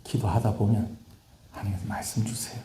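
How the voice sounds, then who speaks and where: Gyeongsang pastor preaching in a roomy church. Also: male voice, lowish voice, fairly even intonation, a little fast, mellow, slight background noise. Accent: Gyeongsang Korean. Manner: preaching with rising fervor and call-and-response. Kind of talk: sermon. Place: church sanctuary.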